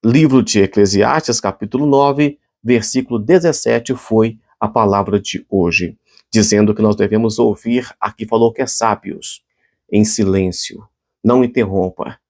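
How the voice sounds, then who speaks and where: A man with a Brazilian Portuguese accent preaches a short devotional sermon and closes in prayer, speaking earnestly and conversationally with frequent restarts and fillers. His voice is on the low side and darkish, at a measured pace.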